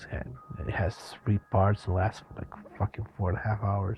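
A fairly low-pitched man at a moderate pace, with ordinary pitch variation and noticeable background noise. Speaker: personal audio diarist. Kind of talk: personal monologue addressed to a loved one. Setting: quiet countryside house at night. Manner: halting.

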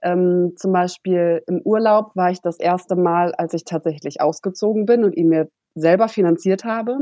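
Speaking with a normal speaking voice, this woman stays at a medium pitch and her pitch varies in an ordinary way. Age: 20s. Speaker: finance influencer. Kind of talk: interview. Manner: many filler words.

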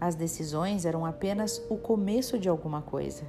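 Over music in the background, a woman with a Brazilian accent speaks at a moderate pace with lively intonation. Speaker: audiobook reader and book-club host. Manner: warm, informal and friendly when commenting.

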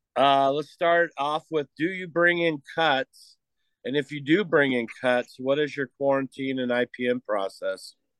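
A man with an unremarkable speaking voice talks at a fairly slow pace. His pitch is fairly high, with ordinary variation. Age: 50s. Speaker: podcast co-host. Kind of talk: interview. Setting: live-streamed video call.

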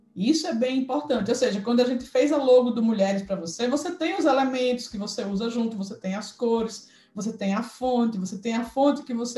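A woman's high-pitched voice with a strong Natal accent, lively intonation and a fairly quick pace. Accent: strong northeastern Brazilian (Natal). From Natal, Rio Grande do Norte, northeastern Brazil. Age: 40s. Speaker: graphic design and print business owner. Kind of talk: interview.

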